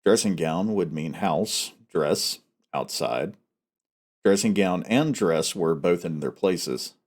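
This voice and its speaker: A man's voice: sits low, animated, slow, darkish tone. A man hosting a novel read-aloud, talking casually and reading in an audiobook style. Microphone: headset.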